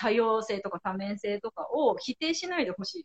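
Pitched fairly high, a woman's voice rises and falls through very wide swings. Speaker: stay-at-home mother and café organizer. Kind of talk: casual interview chat. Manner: animated, frequent laughter.

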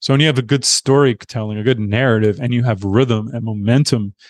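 Heard in a dry, close sound with no echo, a man with an ordinary speaking voice talks at a medium pitch and a moderate pace with fairly even intonation. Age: 50s. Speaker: herbalist and membership site owner. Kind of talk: casual interview.

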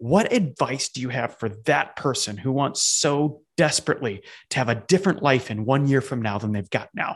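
A man's ordinary speaking voice, medium-pitched, with lively intonation, a moderate pace, hardly any pauses and a quiet background. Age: 40s. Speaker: podcast host. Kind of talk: casual chat.

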